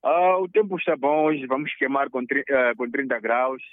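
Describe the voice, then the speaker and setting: A man's voice: mid-range voice, normal speed, no room sound. Upbeat male guest, muffled line. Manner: upbeat, laughs easily, hesitant restarts. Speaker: radio guest. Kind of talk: casual radio chat.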